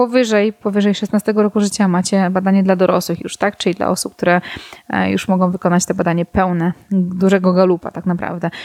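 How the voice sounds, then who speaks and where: A woman speaks at a medium pitch and a fairly quick pace in a monotone, flat intonation, her sound dry and close with no echo. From Poland, Warsaw. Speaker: podcast co-host, talent coach. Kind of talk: casual podcast conversation.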